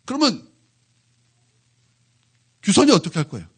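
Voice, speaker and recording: A man preaching a sermon in church, his voice husky and set fairly high for a man. He swings his pitch widely as he fires question after question at the congregation. The delivery is lively and conversational rather than solemn. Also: normal speed. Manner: animated, keeps asking the congregation questions. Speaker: pastor.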